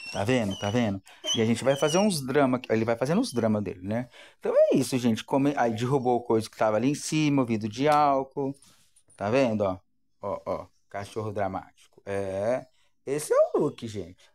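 A man with a Brazilian Portuguese accent chatting playfully to viewers from his living room, narrating in an animated way. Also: medium pitch, normal speed. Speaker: vlogger. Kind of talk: casual chat to viewers. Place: home living room with a sofa.

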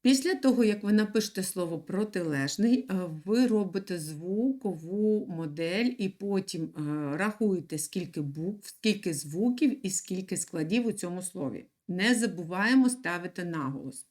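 A woman teaching young children in an online lesson, speaking slowly and clearly and repeating words for them to write down. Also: medium pitch, lively intonation, darkish tone. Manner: patient, slow and clear, repeats words for dictation. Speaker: primary school teacher.

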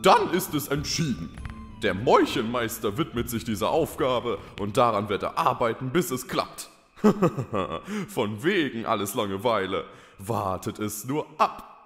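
A man's voice: medium pitch, big pitch swings, a bit bright. A man playing a restless little town master creature in a children's audio drama, musing theatrically. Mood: excited, scheming. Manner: theatrical, musing, drawn-out delivery. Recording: hall-like reverb with music.

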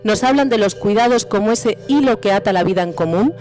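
A woman delivers a measured, rhetorical statement from a panel, stacking phrase upon phrase. Her pitch is middling. Faint music runs underneath. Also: darkish tone. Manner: measured, rhetorical, builds lists. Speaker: feminist economist, tribunal expert. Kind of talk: formal statement. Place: conference hall panel. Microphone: table mic.

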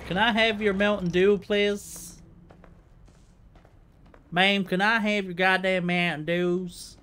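Bright-voiced man streaming a game. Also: sits high, little pitch movement, slow, slight background noise. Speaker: video game live streamer. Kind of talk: casual gaming livestream commentary. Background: horror game sound.

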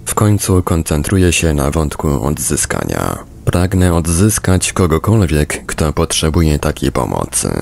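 Man, extremely deep voice, gravelly fry, scripted audiobook narration, measured storytelling. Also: darkish tone. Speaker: narrator reading book excerpts.

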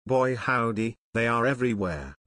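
A male text-to-speech robot voice reading scripted, deadpan, mocking commentary on a video game. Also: mid-range voice, normal speed, no room sound, studio quality.

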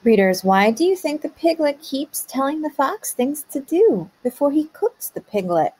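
A woman teacher pausing a read-aloud to ask young children patient questions about the story. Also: high-pitched, big pitch swings, a little mellow. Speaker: kindergarten teacher.

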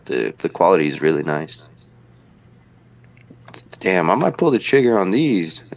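A young man in his twenties chats loosely on a home livestream, dropping slang and reading viewer messages aloud. His voice sits very low. He sounds relaxed and talkative in front of a webcam. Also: unhurried, vocal fry. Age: 20s. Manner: laid-back slangy banter, reads chat aloud. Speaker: livestream host. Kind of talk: casual livestream chat. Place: indoor home room, webcam stream.

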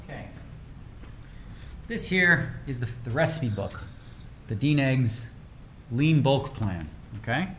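A man's voice: medium pitch, expressive, slow, pauses often, fairly bright tone, slight background noise. A man in his forties chatting energetically and rambling while streaming a game from his home room. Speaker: poker streamer. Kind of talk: casual livestream chat.

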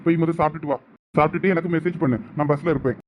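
A man playing a brisk, high-voiced tour organiser. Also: fairly even intonation, slight background noise, close to an everyday voice. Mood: reassuring. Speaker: tour group organiser in a village comedy skit.

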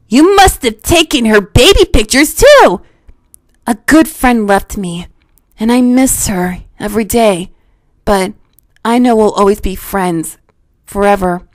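Lady voicing a spunky anime kid hero, high bouncy voice, kinda slow, eager. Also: no room sound. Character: eager spirited boy hero, about ten. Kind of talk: cartoon voice impression demo.

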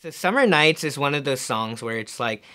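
A young man born in Korea, talking casually in an interview in a music studio, relaxed and full of fillers and little laughs. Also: medium pitch, moderate pace. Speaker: singer-songwriter. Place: music studio with mixing console.

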